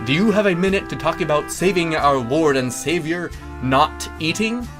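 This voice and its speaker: A man's voice: lively intonation, normal speed, over music, natural voice. A man voicing a bombastic, zealous brute who preaches grandly like a door-to-door salesman in a comic story. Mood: smooth, persuasive. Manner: booming, declamatory, grandly persuasive.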